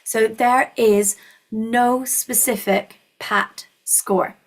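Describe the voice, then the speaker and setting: A woman's voice: on the high side, fairly even intonation, drawn-out words, poor audio. A woman with a Scottish accent hosting a university webinar, explaining things informally in a reassuring, encouraging way. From Scotland.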